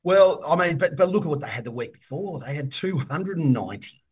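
A man's voice: fairly high pitch, lively intonation, a little fast, a little hiss or hum. A man with an Australian accent chatting casually and matily as a guest on a sports panel. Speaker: racing tipster and panel guest. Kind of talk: casual chat. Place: hotel room.

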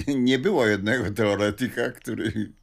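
A man's voice: on the low side, unhurried, vocal fry. An older man explaining how things worked in the past, in informal unscripted talk. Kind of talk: explanatory reminiscence.

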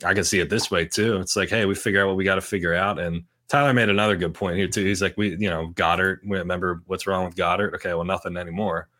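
A man's voice: low voice, steady tone, quick pace, hardly any pauses, pushed and bright. A man co-hosting a casual sports podcast, with a slightly nasal, clogged-sounding voice and a rambling way of talking full of restarts. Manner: rambling, lots of restarts and fillers.

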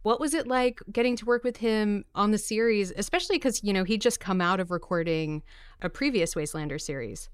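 A woman's voice: medium pitch, brisk, clear, resonant tone, no room sound, clean studio sound. A woman hosting an interview, asking upbeat, enthusiastic questions. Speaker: interviewer host.

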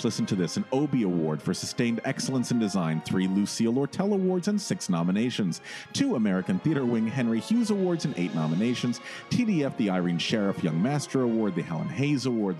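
Jokey male podcast co-host, lively pitch. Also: a little fast, soft background music. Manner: playful, jokey, punning. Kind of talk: casual podcast interview.

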